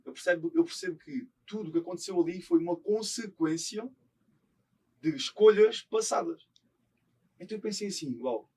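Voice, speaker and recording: A man's voice: high-pitched, a little mellow, husky, distant mic. A man from Portugal with a Portuguese accent, a podcast guest telling his personal story in a careful, earnest way. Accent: European Portuguese.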